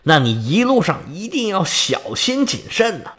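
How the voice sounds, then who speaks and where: A man voicing a fretful old queen, a grieving mother who scolds and pleads in a shrill voice. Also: big pitch swings, moderate pace, fairly bright tone, breathy edge, exaggerated voice. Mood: anxious.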